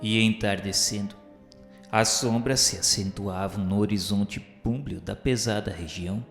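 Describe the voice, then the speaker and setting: Male radio-novel narrator, solemn and measured, mid pitch, echoey reverberant room, faint music bed. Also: fairly even intonation. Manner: measured, solemn literary reading.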